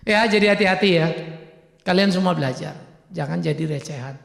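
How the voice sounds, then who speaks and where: Male pastor, humorous storytelling sermon; high, very gravelly voice, roomy hall echo. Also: a little fast. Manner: humorous, animated, acts out dialogue, laughs often. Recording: echoey church hall.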